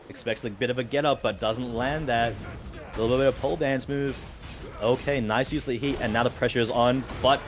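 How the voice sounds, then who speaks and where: A man with an Australian accent giving play-by-play and analysis of a fighting game, steady and analytical, lifting with excitement on big moments. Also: medium pitch. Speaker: esports caster.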